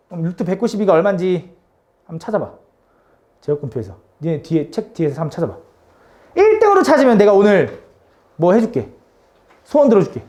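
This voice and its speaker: Lively teasing woman math teacher. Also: mid-range voice. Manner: teasing, coaxing students with frequent tag questions. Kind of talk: classroom math lesson.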